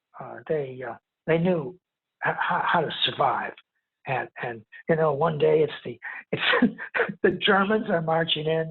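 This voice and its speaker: A man speaks at a fairly high pitch with an American accent. His pitch varies in an ordinary way, with long, frequent pauses. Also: fairly slow pace. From Chicago, USA. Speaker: professor of diplomacy. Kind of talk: interview answer. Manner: hesitant, many fillers.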